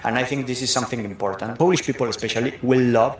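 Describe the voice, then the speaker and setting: A man giving encouraging, plain-spoken advice in a relaxed way. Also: mid-range voice, fast talker, slight background noise. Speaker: interviewee. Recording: heavy echo, faint ambience.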